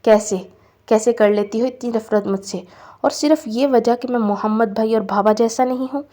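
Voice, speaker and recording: A woman voicing a sharp-tempered, defensive young man in a novel read aloud, keeping a flat, even reading voice. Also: on the high side, natural voice. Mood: angry.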